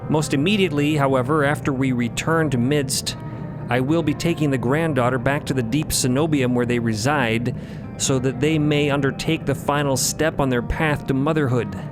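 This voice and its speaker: A man playing a calm, stern mentor of a religious order in audio fiction, speaking formally and precisely. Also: medium pitch, normal speed, in a large hall, music in the background, lightly acted. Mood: composed, formal.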